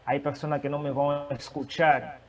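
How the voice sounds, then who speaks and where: A man who is not a native Spanish speaker, preaching and sharing a testimony, with a halting manner and many restarts. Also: on the high side, little pitch movement, far from the mic. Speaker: guest preacher. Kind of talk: sermon testimony.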